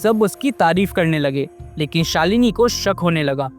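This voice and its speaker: A man narrating a scripted horror-fantasy story in a lively, dramatic way. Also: fairly high pitch, moderate pace, faint music behind.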